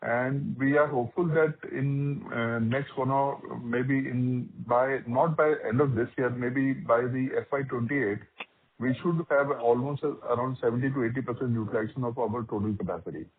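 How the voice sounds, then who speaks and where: A man's voice: medium pitch, fairly even intonation, normal speed, slight background noise. A man with an Indian accent, speaking as a company executive and explaining business matters on a call. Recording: narrow phone line, radio-like.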